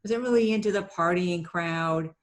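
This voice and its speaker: A woman's voice: on the low side, normal speed. A middle-aged woman from Ohio, a marketing business owner, telling stories in a chatty way as a guest in an interview and often repeating a word as she restarts. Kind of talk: conversational storytelling interview.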